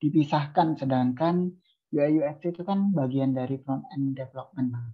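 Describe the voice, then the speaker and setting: A moderator of middle pitch reads out audience questions and thanks the speakers in short, polite turns. The voice comes over a video call and sounds dull and lo-fi. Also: moderate pace. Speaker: webinar moderator.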